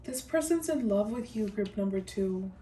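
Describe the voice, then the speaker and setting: A woman's voice: medium pitch, lively intonation, moderate pace, dark tone, far from the mic, slight background noise. A woman giving a pick-a-card tarot reading, musing aloud, repeating her phrases and speaking straight to her viewers. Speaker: tarot reader.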